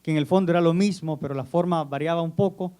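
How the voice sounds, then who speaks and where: A man with a Honduran Spanish accent presents at an academic conference, with a smooth, clear voice pitched a little high. He speaks in a measured way, filling his pauses with "eh" and repeating a word now and then. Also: mellow. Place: conference hall.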